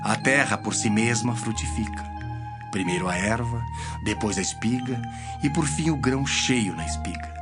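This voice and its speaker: A man playing Jesus as a solemn, measured teacher in a dramatized audio Bible. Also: medium pitch, lightly acted. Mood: solemn teaching. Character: Jesus, solemn teacher telling parables to followers. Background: music.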